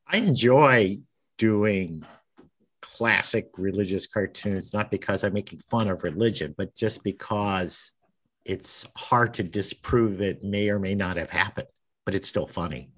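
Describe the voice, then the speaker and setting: A man's voice: fairly low pitch, unhurried, a bit bright. Dry, teasing male cartoonist. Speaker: cartoonist and podcast host. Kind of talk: casual chat.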